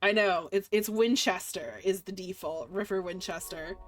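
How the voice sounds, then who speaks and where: A young woman reading a dark visual novel aloud in dramatic first person, breaking off for giggly asides. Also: medium pitch, moderate pace. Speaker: streamer playing a game.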